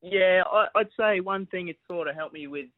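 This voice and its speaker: A young Australian man talks casually about his riding life in a relaxed, modest way. His voice comes through a thin, phone-like line. The sound is dry and close. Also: sits high, normal speed, no room sound. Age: young adult. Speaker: apprentice jockey. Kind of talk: casual chat.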